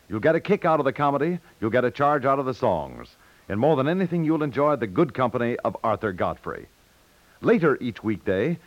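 A man with an American accent doing polished, upbeat scripted announcing in 1950s network radio style. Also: medium pitch. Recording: dull vintage 1950s radio recording.

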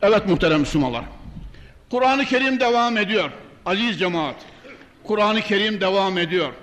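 A man's voice: high voice, animated, normal speed, a bit bright, slight background noise. An older man delivers an emphatic mosque sermon at a pulpit microphone, addressing the congregation directly and quoting scripture. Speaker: mosque preacher. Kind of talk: sermon from the pulpit, with Quran quotations. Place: large mosque, indoors. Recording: reverberant hall, pulpit microphone.

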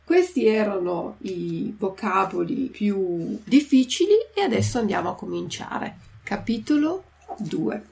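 A woman's voice: mid-range voice, expressive, measured pace, creaky, darkish tone, slight background noise. A woman reading a classic children's story aloud chapter by chapter, first explaining the hard words.

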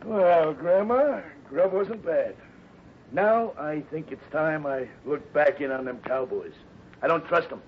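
Desperate outlaw for male actor: high voice, slangy, cocky and threatening, 1950s radio western, muffled old recording. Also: measured pace, slight background noise, close to an everyday voice. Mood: menacing. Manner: threatening, slangy, uneducated speech. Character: snarling desperate outlaw gunman, bullying and cocky.

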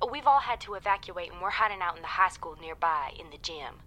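A shaken hospital worker calling a late-night radio show. Her voice is bright and sharp, and she tells her tale in a folksy, breathless rush. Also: fairly low pitch, animated, fairly quick.

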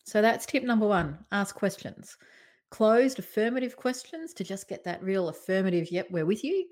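A woman giving presentation tips in a conversational, expressive way, varying her tone and emphasis. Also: medium pitch, moderate pace. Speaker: presentation coach. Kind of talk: talking-head presentation tips.

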